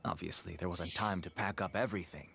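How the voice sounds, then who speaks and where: A man's voice: deep voice, steady tone, fast talker, creaky, a bit bright, slight background noise. An actor playing a nervous, wheedling male black-market dealer in a video game. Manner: pleading, wheedling.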